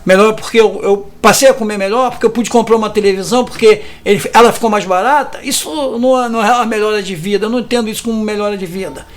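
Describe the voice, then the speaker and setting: High-voiced Rio man in his fifties. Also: fast talker, hardly any pauses. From Brazil. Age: 50s. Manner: impassioned, indignant, tag questions; hesitant restarts. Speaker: community resident interviewed about evictions. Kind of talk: earnest interview testimony.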